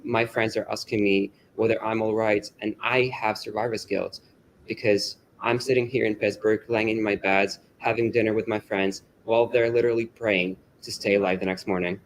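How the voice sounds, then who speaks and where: A young man from Ukraine speaks earnestly and carefully, pausing often with um and uh. His voice is gravelly and sits a little low. There is a faint hum of background noise. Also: roomy sound, low-quality recording. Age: young adult. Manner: earnest, measured, frequent um and uh. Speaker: student guest. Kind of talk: interview and studio conversation.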